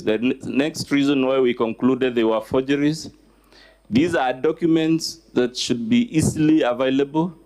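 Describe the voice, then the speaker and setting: Emphatic male advocate, medium pitch. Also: a little mellow, rough recording. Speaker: lawyer making a submission. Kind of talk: formal legal argument.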